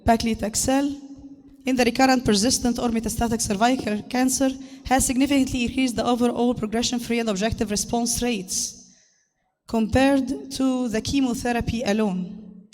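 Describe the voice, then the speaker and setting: A woman with a harsh, hoarse voice gives a formal medical lecture as a conference speaker, in a halting, hesitant delivery. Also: on the high side, steady tone, darkish tone. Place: large conference hall. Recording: echoey hall, long reverb.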